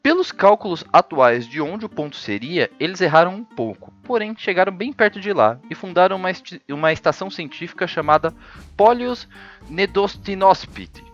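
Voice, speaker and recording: Man, history host, scripted narration, ironic asides, animated pitch, faint background music. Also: normal speed, dull audio.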